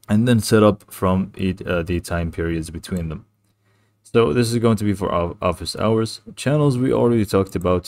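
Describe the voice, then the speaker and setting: Low-voiced man giving a casual walkthrough. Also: a little mellow, no room sound. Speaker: tutorial presenter. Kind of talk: casual, improvised software walkthrough.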